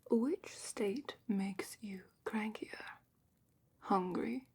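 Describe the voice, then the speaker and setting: A woman playing a calm, probing dragon-academy examiner in a whispered ASMR roleplay, speaking softly and deliberately with thoughtful pauses. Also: mid-range voice, exaggerated voice. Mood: probing, appraising. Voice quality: soft, breathy whisper.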